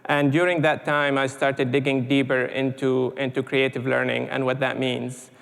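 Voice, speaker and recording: A man from Syria speaking in a lecture hall, with a gravelly voice and a flat, even delivery. He halts often, with many "uh"s and repeated words. A long reverb trails his speech. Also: medium pitch, normal speed. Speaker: panel speaker. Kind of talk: conference talk.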